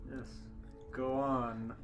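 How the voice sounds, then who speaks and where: A man's voice: mid-range voice, flat delivery, very slow, dull audio. A man co-hosting a podcast, joking casually with friends. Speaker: podcast co-host. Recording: prominent music under the voice. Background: music.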